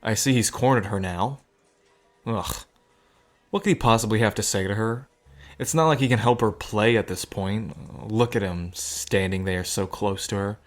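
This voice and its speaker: An actor voices a smitten male card player in an audio drama. His voice sits fairly low, and he comes across as sincere, protective and a little bashful. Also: normal speed, natural voice. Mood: agitated. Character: earnest, awkward young male gambler, protective and smitten.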